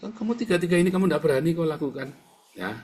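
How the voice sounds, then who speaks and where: A man's voice: on the high side, racing. A man preaching a fiery sermon, addressing listeners directly and bluntly. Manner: forceful preaching, keeps addressing listeners as brothers. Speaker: pastor.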